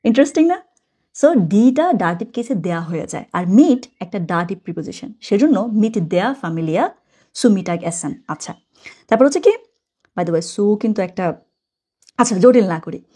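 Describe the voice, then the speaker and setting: A woman's voice: medium pitch, expressive, normal speed, warm tone, husky. A woman teaching German from a textbook, chatty, explaining words step by step and correcting herself as she goes.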